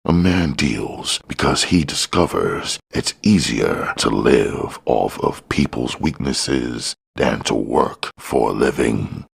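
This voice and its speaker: A man's voice: very deep voice, lively intonation, slow pace, vocal fry, hardly any pauses, slightly rough. A man reading a crime novel aloud as an audiobook narrator.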